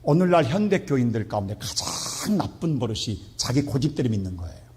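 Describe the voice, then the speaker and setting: A male pastor preaching a Sunday sermon emphatically, swinging between loud outbursts and hushed asides. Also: medium pitch, very animated, brisk. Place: church sanctuary.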